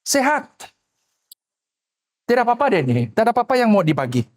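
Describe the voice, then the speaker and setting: A man preaching, his voice sitting fairly high for a man. He delivers the sermon in animated bursts, dropping to low asides and acting out the people he talks about. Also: a little fast. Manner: animated, swings between loud exclamations and low asides, acts out quoted people. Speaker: pastor.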